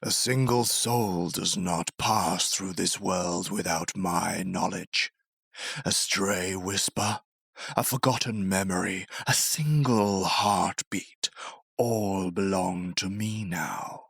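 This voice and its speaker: A man voicing a cold, all-knowing dark overlord spirit for animation, slow, measured and possessive in his menace. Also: low-pitched, vocal fry, breathy edge, no room sound, exaggerated voice. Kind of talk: animation character acting.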